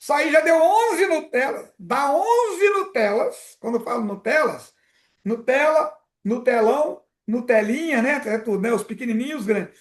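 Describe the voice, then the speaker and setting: Animated Brazilian coach, roomy echo. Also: male voice, very high voice, moderate pace. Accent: Brazilian Portuguese. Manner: animated, repetitive explaining, frequent laughs. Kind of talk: live coaching session.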